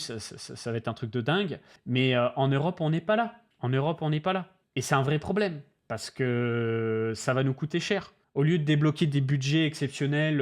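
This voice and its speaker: Guy streaming, talks blunt and slangy, swears a lot, gets animated. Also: fairly high pitch. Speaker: crypto channel host. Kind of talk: casual livestream chat.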